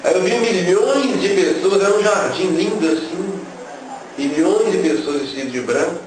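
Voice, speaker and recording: A man's voice: high voice, expressive, normal speed. A man gives an emotional religious testimony, telling his story and acting out the dialogue. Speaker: testimony speaker. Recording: echoey, distant, noisy room.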